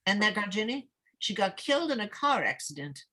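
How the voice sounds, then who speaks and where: A woman acting as an anxious, needy middle-aged small-town mother in a script read, halting and stammering as she talks. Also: medium pitch, very animated, pushed and bright. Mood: wistful, gossipy. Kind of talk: dramatic table read of a screenplay.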